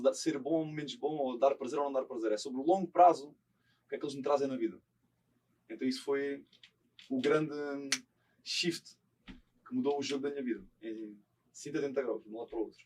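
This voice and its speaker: A man from Portugal speaking with a Portuguese accent as a podcast guest. His voice is husky and mid-pitched. He sits some distance from the mic as he tells his story with care. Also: darkish tone. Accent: European Portuguese. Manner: earnest, careful, measured. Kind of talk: personal storytelling.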